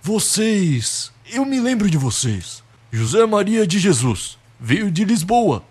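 A man's voice: sits high, very animated, slow pace, a little mellow, slightly rough, full character voice. A man playing a grumpy, foul-mouthed old Santa Claus with theatrical bluster in a radio drama. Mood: earnest. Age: older.

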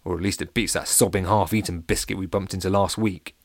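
A man's voice: deep voice, fairly even intonation, a little fast, vocal fry, no echo, studio quality. A man voicing a wary, grumbling male pirate in a storybook reading. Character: gruff grumpy male pirate.

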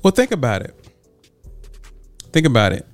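Podcast co-host, male, African American accent, lively pitch, close dry sound with music behind, casual and challenging. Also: moderate pace, no room sound. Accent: African American English. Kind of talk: casual debate.

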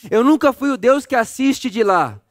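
A man preaching a sermon, telling the story vividly and swinging from loud emphasis to a hush. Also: very high-pitched, normal speed. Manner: animated storytelling, acting out voices, swings between loud and hushed.

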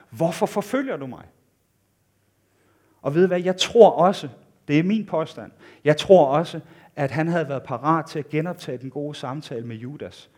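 A man delivers a sermon with a voice pitched a little above the usual male range. His manner is earnest and intimate. He pushes up for emphasis and sinks to near-quiet at the close of each thought. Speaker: preacher.

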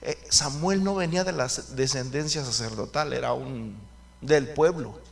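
Here a man preaches with fervor, often calling out to the congregation as his brothers. His voice sits in the mid range with vocal fry, and he keeps a moderate pace.

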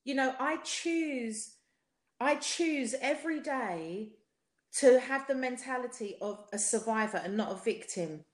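High-voiced South London woman, echoey room. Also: animated, measured pace. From South London, England. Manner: emphatic, rhetorical repetition, often seeks agreement. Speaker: podcast guest, singer. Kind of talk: personal testimony in a podcast conversation. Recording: roomy, echoey sound.

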